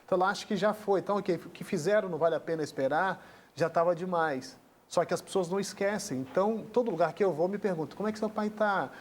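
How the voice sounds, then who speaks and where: A man's voice: high voice, fast talker. A man with a Brazilian Portuguese accent telling an emotional personal story as a guest on a talk show, acting out the dialogue as he goes. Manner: earnest, acts out dialogue in the retelling.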